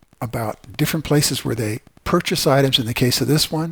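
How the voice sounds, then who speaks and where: Here a man talks at a moderate pace and medium pitch in a plain, everyday voice. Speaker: software developer giving app tutorial. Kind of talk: tutorial.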